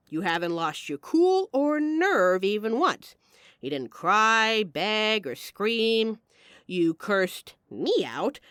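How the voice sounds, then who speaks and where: A woman's voice: medium pitch, a bit bright, no room sound, studio quality. Woman acting a brash, theatrical female mob boss. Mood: admiring. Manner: wry, flirtatious, theatrical. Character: brash, charming, apologetic female mafia boss. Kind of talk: audio roleplay acting addressed to the listener.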